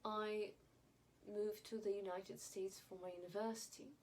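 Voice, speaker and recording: A Yemeni woman offers opinionated commentary to her viewers in English, which is her fourth language, enunciating carefully and with emphasis. Her medium-pitched voice is steady, slightly mellow, and moves at a normal pace. She's an online commentator, and the rough recording carries clearly audible background noise.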